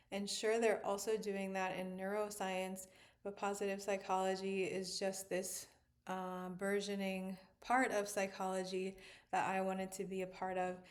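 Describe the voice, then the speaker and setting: With an American accent and a medium pitch, a woman speaks at a moderate pace in a monotone, flat intonation, and audible room echo can be heard. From United States. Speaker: coach and psychology researcher. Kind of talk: casual vlog monologue. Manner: conversational, with filler words.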